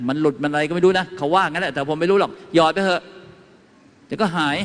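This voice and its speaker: In a reverberant hall, a fairly high-pitched man lectures a live audience on home remedies in a folksy, chatty way. He shares anecdotes and asks the crowd questions, and a little hiss or hum runs under the recording.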